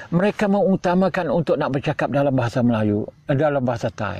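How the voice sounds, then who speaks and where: The voice swings very widely in pitch. The sound is dry, with no echo. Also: man. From Patani, southern Thailand; Thailand. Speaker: vlogger and commentator; commentator on language. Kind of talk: monologue to camera. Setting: in a tent. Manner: halting. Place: garden. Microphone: phone near.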